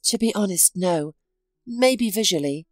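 A woman's voice: medium pitch, animated, unhurried, dry recording, studio quality, soft background music, lightly acted. A woman voicing a shaken, ashamed wife who speaks in an anxious, apologetic way in a storybook reading.

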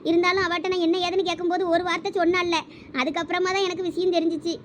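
In a village family comedy skit, one female performer voices several village women, speaking fast and high with little pitch movement. Her delivery is pleading and emotional, like a family quarrel, with slight background noise behind her.

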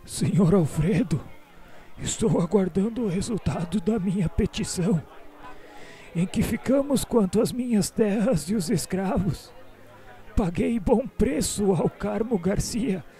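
High-pitched, confused old man. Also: dark tone. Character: confused, anxious old man, former slave-owning landowner. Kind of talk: radio novela acting.

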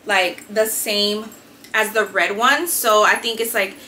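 Bright, chatty young woman vlogger. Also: medium pitch, fairly even intonation, slow pace, slight background noise. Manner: chatty, enthusiastic, lots of "like" fillers. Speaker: fitness and beauty vlogger. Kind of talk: casual haul review to camera. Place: small decorated bedroom, indoors.

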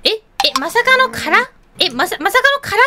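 A woman giving excited let's-play commentary, exclaiming and chatting to her pets and viewers. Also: very high voice, normal speed, very noisy. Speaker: gaming YouTuber. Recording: loud game music behind the voice.

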